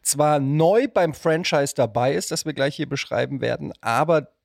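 A middle-aged man hosting a casual interview podcast, joking and phrasing things haltingly. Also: a little high, vocal fry, dry recording, clean studio sound. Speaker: podcast host. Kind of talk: casual chat, interviewing a guest.

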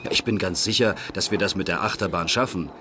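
A man's voice: deep voice, quick pace, background noise, natural voice. An actor playing an incredulous, insistent businessman in a vintage German audio drama. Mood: anxious, insistent.

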